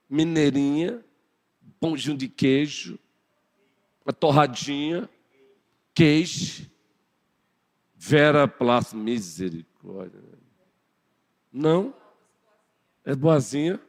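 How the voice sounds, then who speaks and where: A man with a Brazilian Portuguese accent giving a Sunday morning sermon, playfully teasing his congregation. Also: medium pitch. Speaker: pastor. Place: church sanctuary. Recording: long church hall reverb.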